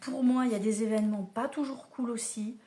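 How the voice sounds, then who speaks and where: A woman's voice: on the high side, steady tone, fairly quick, mellow. A woman giving a casual spiritual oracle card reading to camera, chatty and familiar, speaking straight to the listener. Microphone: camera mic, filmed mirrored.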